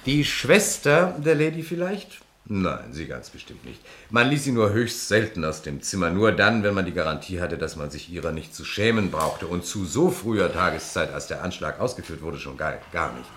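An actor playing a shrewd, sardonic police detective in a German crime radio play, speaking in a deliberate, theatrical way. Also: male voice, deep voice, lively intonation, a bit bright, slight background noise. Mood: probing, needling.

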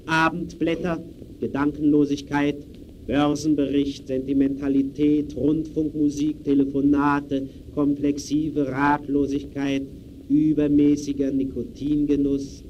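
An actor playing an impersonal official who declaims a case file in clipped phrases, in 1920s radio play style. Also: male voice, fairly high pitch, level tone, unhurried, dark tone, lo-fi sound, natural voice. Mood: clinical, insistent. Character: clinical male official reading out a case file. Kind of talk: 1920s German radio play, staccato report. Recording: noisy early radio recording.

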